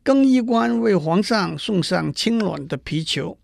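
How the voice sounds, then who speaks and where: A male storyteller who retells a classic fable and explains old poetry at a measured, even pace. His voice is high for a man with a gravelly grain, recorded close and dry. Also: dry recording. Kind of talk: storytelling narration for listeners.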